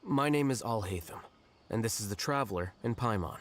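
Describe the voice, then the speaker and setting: A man voicing a cool, rational young scholar in an anime-style video game, measured, dry and formal. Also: lowish voice, animated, natural voice.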